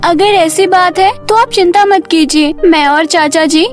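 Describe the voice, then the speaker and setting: Very high-voiced young serpent princess, played by a woman. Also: measured pace, faint music behind. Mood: earnest, pleading. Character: young serpent princess, devoted, headstrong, quick to sulk.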